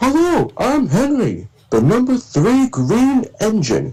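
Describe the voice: His speech comes at a fairly slow pace. The man uses a put-on character voice pitched extremely high.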